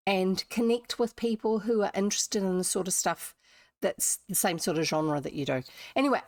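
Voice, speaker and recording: A woman's voice: medium pitch, no echo, clean studio sound. A woman with a New Zealand accent chatting casually and in a rambling way to viewers as a livestream host. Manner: chatty, rambling, self-interrupting asides. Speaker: livestream host who reads old books aloud.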